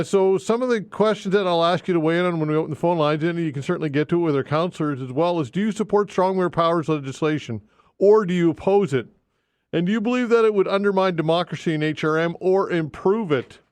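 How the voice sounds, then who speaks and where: A man's voice: fairly high pitch, no echo. A man hosting a talk radio show in a studio, speaking emphatically and repeating the call-in details. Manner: emphatic, repeats phone number. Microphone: studio microphone.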